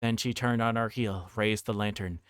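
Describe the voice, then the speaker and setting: A man's voice: fairly low pitch, steady tone, normal speed, clear, resonant tone, no echo, studio quality. A man livestreaming a visual novel, reading the story aloud dramatically and chatting casually in between. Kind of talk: reading game text aloud with casual stream chat. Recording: game music playing behind the voice. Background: game music.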